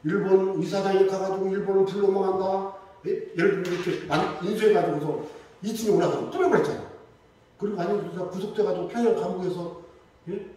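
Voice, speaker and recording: A man preaching a Sunday sermon in lively storytelling style, acting out the voices of the people in his stories. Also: high voice, fast, slight background noise. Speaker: pastor. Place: church sanctuary. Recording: echoey church hall, mic from a distance.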